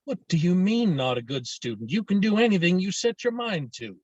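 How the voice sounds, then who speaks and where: A man's voice: high voice, big pitch swings, a little fast, dry recording, highs cut off. A man acting a proud, domineering father who presses his son, in a table read of a drama script. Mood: stern, insistent. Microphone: video call microphone.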